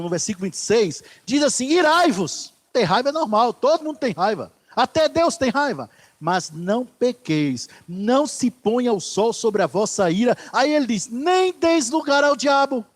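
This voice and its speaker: A pastor preaching a sermon in church, swinging from loud declarations to hushed asides. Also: male voice, sits high.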